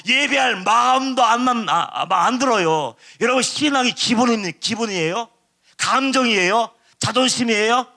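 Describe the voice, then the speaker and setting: A man preaching a sermon as pastor, impassioned and dramatic, acting out shouted pleas. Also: very high-pitched.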